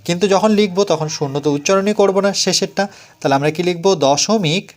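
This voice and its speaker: A man's voice: sits high, very fast. A man with a West Bengal Bengali accent, teaching a math lesson step by step and patiently counting each step aloud. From West Bengal, India. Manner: patient, repeats and counts steps aloud, asks and answers own questions. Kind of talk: step-by-step classroom explanation.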